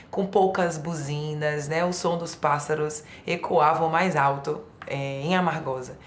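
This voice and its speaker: A woman from Salvador, a writer and teacher, telling her story in a reflective, poetic, measured way. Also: lowish voice, a little hiss or hum. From Salvador, Bahia, Brazil. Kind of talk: personal reflective narration. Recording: voice over clear music.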